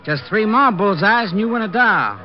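An actor playing a brisk, chatty carnival shooting-gallery attendant in a radio drama. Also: male voice, high voice, expressive. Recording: dull lo-fi old radio transcription with music.

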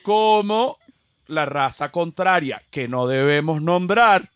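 A man's voice: on the high side, expressive, slow, clean tone, no room sound, clean studio sound. A Venezuelan man with a Venezuelan Spanish accent, hosting a podcast in casual chat, blunt, slangy and joking. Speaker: podcast host.

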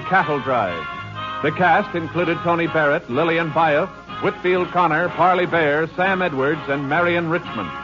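A male radio announcer with a high voice reads scripted credits in 1950s style. Music plays behind him on a dull old recording.

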